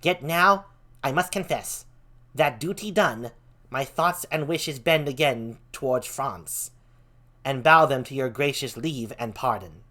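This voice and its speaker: A man's voice: mid-range voice, a little slow, pushed and bright. A man voicing a dutiful young courtier in a formal, deferential theatrical reading of Shakespeare. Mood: respectful, earnest.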